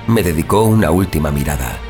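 A man's voice: low voice, brisk, natural voice. An actor with a Castilian Spanish accent playing a brooding, sarcastic killer who prowls at night and tells his story in an audio drama, wry and foul-mouthed. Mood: brooding narration. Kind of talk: audio drama dialogue and first-person narration. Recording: music behind the voice.

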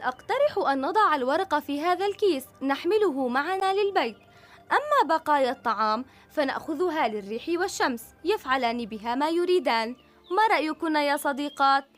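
A thoughtful young girl who leads her friends in a children's story, voiced by a woman. She speaks in a high, considerate voice that offers suggestions, with faint music behind her. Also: animated, fairly quick.

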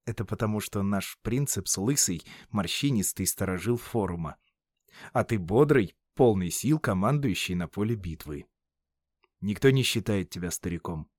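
A man's voice: lowish voice, lively intonation, moderate pace, a little mellow, no echo. A man reading an audiobook, voicing an irritated, practical Roman officer who speaks in an exasperated, warning way. The recording is dry. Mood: reassuring.

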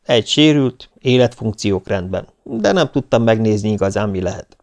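A man reading the part of an eager young male paramedic who reports briskly and plainly. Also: fairly low pitch, animated, darkish tone. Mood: matter-of-fact.

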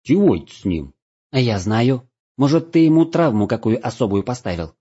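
A man's voice: medium pitch, sing-song, moderate pace, mellow, husky. A man voicing an impatient, grumbling male elf adventurer. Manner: grumbling, whiny. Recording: dull lo-fi recording.

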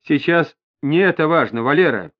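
A man voicing a calm, firm police inspector questioning a suspect, in a steady, pressing way, on a dull lo-fi recording. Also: a little high, normal speed. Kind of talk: audiobook character voice. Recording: dull lo-fi audio.

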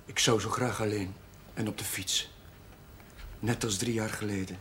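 An actor playing an eager, idealistic young Catholic chaplain in a naturalistic seventies television drama, speaking in an earnest, musing way. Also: male voice, lowish voice, fairly even intonation, moderate pace, fairly bright tone, a little hiss or hum, natural voice. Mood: pleading. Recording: 1970s television soundtrack with music.

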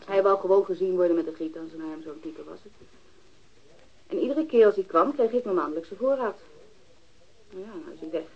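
A dull, lo-fi radio drama recording of a frank woman witness. Her voice is on the low side and husky. She recounts things matter-of-factly, with small digressions and hesitations. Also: fairly quick, pauses often. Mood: frank, unapologetic. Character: frank, matter-of-fact woman, drug user, testifying to police. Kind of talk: Dutch radio drama dialogue.

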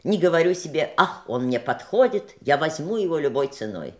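An actress playing a dignified, candid mistress in an audio drama, reflective and wistful in a theatrical style. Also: female voice, low voice, normal speed. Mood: candid, self-defending. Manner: reflective, expressive.

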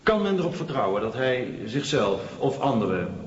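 An actor playing a formal courtroom lawyer with measured questioning in a radio drama. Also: male voice, medium pitch, sing-song, natural voice. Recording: echoey hall, distant, dull sound.

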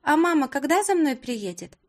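A woman's voice: high voice, sing-song, moderate pace, voice pushed up. A woman voicing a small girl who pleads to go to her mother. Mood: plaintive.

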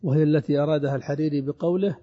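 A man giving a classroom grammar lesson. He asks questions and answers them himself, and he repeats each example slowly. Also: on the high side. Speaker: grammar teacher. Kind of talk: classroom lecture on Arabic grammar. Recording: dull lo-fi recording with long hall reverb.

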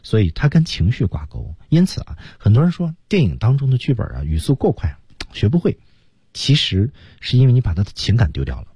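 Husky male English teacher, very animated. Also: a little fast, no room sound, studio quality. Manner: explains phrasing, then acts out film lines in a high voice. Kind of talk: radio English lesson. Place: radio studio.

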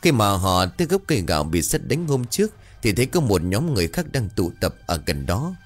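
A man narrating a ghost story, reading it aloud in an expressive way and voicing the characters' dialogue. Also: fairly low pitch, brisk, soft background music.

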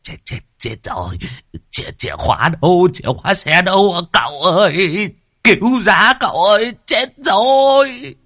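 A man's voice: sits low, lively intonation, slow, long pauses, pushed and bright, no room sound, studio quality, full character voice. A man voicing a whiny, cowardly old village man who stammers and wails for help. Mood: panicked wailing. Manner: stammering, wailing cries for help.

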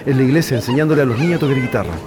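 A man's voice: mid-range voice, rapid-fire, noisy background, close to an everyday voice. A man playing an earnest young man in a radio drama who talks hesitantly with many fillers.

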